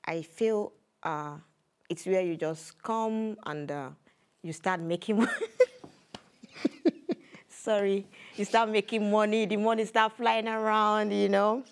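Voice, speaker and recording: A woman's voice: mid-range voice, fairly even intonation, slow, gravelly, pauses often, clear, resonant tone. A woman from Nigeria with a Nigerian English accent, a guest answering interview questions in a casual, hesitant way with easy laughter. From Nigeria, Edo State. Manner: hesitant, restarts often, laughs easily. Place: community TV studio.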